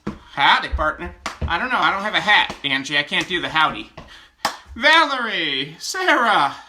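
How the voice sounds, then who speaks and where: A man's voice: high voice, sing-song, moderate pace, pushed and bright, soft background music. A man from upstate New York hosting a casual livestream, playfully greeting viewers by name and joking with them. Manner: playful, jokey, reads out viewer names. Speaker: livestream host.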